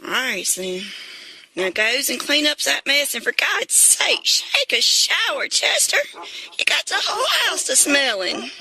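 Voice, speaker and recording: A woman's voice: high voice, sing-song, unhurried, sharp tone, exaggerated voice, rough recording. A woman playing an exasperated rural wife and mother in a comedic audio drama, with a folksy, scolding Southern US drawl.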